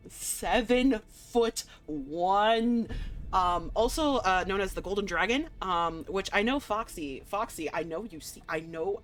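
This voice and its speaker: A woman streaming a game and chatting casually to viewers in an excitable, gushing, playful and slangy way. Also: mid-range voice. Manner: slangy, swearing. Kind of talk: casual livestream chat to viewers. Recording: music behind the voice. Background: music.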